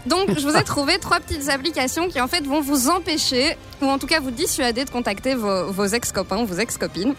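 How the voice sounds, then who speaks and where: A woman's voice: sits high, brisk, few pauses, a bit bright, faint music behind. A young woman presenting her segment on a radio show in a studio, chatty and lightly amused. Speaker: intern and columnist.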